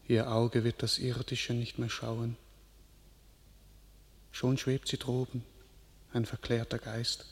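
Slow, gravelly, solemn nobleman. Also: medium pitch, long reverb tail. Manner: solemn, elegiac, measured. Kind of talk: classic German radio play acting.

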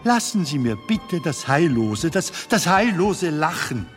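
An actor playing a playful comedian who philosophizes in a German audio drama, halting and repeating words as he muses. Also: fairly high pitch, big pitch swings, faint music behind. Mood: earnest, musing.

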